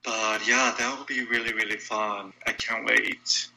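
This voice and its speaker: A man's voice: lowish voice, little pitch movement, measured pace, creaky, sharp tone, slight background noise, rough recording. A man from Brazil with a Brazilian Portuguese accent, whose first language is Portuguese, speaks as a radio show guest, earnest and candid with a wry edge. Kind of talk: casual interview talk.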